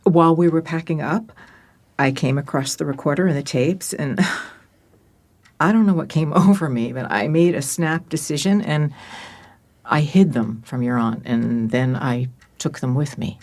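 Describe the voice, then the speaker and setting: A woman playing a kindly middle-aged former therapist in an audio drama, gentle, effusive and a little hesitant, in naturalistic conversation. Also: low voice, measured pace. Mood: hesitant, confessing. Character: kindly older woman, former therapist, friend of a late mother.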